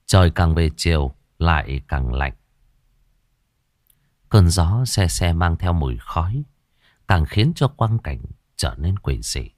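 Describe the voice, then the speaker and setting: Brief: deep, expressive male horror storyteller, suspenseful and measured. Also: dry recording, studio quality. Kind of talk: ghost story narration.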